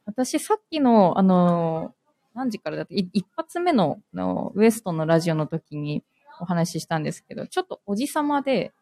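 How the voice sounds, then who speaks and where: A woman's voice: fairly low pitch, sing-song, normal speed, warm tone, dry recording, clean studio sound. A woman from Hiroshima with a Hiroshima accent, hosting a casual live radio chat and laughing often. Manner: laughs often, polite and chatty. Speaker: host.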